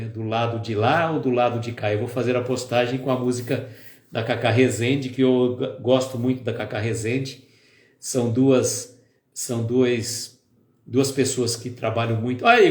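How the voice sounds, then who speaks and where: A man hosting a spiritist live stream, chatting casually with viewers by name and then slowly leading a calm guided prayer. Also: medium pitch. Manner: slow, soft and calm when leading the prayer. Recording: echoey room with faint music.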